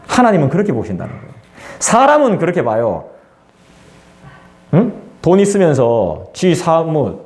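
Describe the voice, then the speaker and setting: Here the pastor's voice is high and darkish as he preaches in a conversational manner, voicing the people he quotes. The recording comes from a church sanctuary and sounds echoey.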